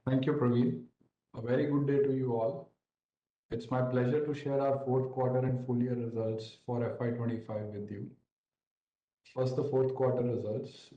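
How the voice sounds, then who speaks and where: An Indian-accented man delivers a prepared corporate results presentation in a soft, mellow voice. His manner is formal and orderly. The audio is roomy and somewhat dull, like a conference call. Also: mid-range voice, steady tone, normal speed.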